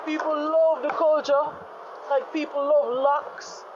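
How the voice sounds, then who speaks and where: A woman's voice: high voice, fairly even intonation, slow pace, darkish tone. A woman with a Jamaican accent talking casually and frankly in Jamaican English, dropping in patois phrases. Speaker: podcast host. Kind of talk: casual conversation. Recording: dull lo-fi sound with background noise.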